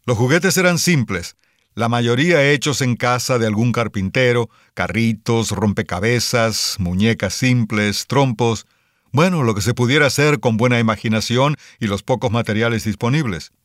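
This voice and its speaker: Guy acting as a humble toy company boss from cuba, sincere and measured, dry close sound. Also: mid-range voice, dry recording, lightly acted. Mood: earnest. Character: earnest male immigrant toy company boss. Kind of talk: scripted listening-exam dialogue.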